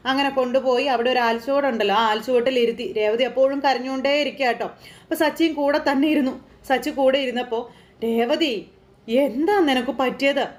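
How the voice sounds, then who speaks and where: A woman's voice: sits high, steady tone, quick pace. A woman casually retelling a TV serial episode, chatty, with frequent tag words and repetition. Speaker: TV serial recap narrator. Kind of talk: casual storytelling recap.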